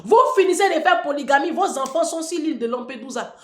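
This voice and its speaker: A woman's voice: sits high, lively intonation, fast talker. A woman delivering a taunting, provocative vlog rant. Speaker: vlogger. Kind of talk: mocking monologue to camera. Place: room in France. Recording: echoey room.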